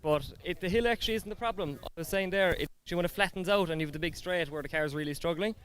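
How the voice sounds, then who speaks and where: A man's voice: sits high, rapid-fire, fairly bright tone, clear, resonant tone. A man, a drift driver, explaining his car in a matter-of-fact, technical way. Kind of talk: quick pit interview.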